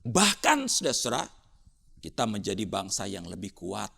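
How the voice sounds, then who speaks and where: A man's voice: fairly low pitch, sing-song, normal speed, creaky, bright, forceful tone. A man delivering a sermon as a Christian preacher, emphatic and rhetorical, repeating phrases for dramatic effect.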